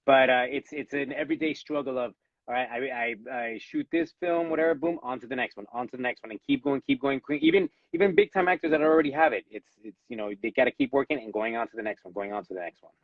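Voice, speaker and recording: Cuban-American actor with a Latino accent. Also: male voice, medium pitch, sing-song, fast talker, vocal fry, dry recording, phone-quality sound. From born in Los Angeles, raised in Miami. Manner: earnest, repeats words when starting sentences. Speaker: actor, interview guest. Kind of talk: casual live interview. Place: at home.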